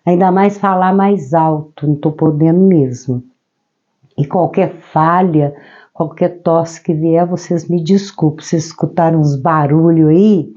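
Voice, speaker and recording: A woman from Brazil, hoarse from a cold, gently explaining a Gospel passage verse by verse. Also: lowish voice. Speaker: Bible teacher. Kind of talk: devotional Gospel commentary. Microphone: own microphone. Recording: slightly dull lo-fi recording.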